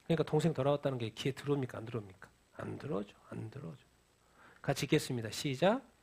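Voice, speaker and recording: A man preaching a sermon as pastor, who asks the congregation questions and answers them himself, and acts out quoted lines in a loud heated voice. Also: medium pitch, expressive, very fast, vocal fry, breathy edge.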